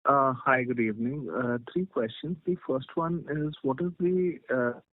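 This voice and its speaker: A man's voice: mid-range voice, fairly even intonation, a little slow, no echo. A man with an Indian accent, an analyst putting questions on a conference call. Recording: dry, narrow phone line.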